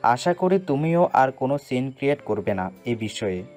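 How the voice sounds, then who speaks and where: Over background music comes a man acting a middle-aged father in an audio story. He is stern and authoritative, laying things down in a calm, measured voice. His tone is firm and leaves no room for argument. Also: medium pitch, close to an everyday voice. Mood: calm, insistent. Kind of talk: dramatised audio story dialogue.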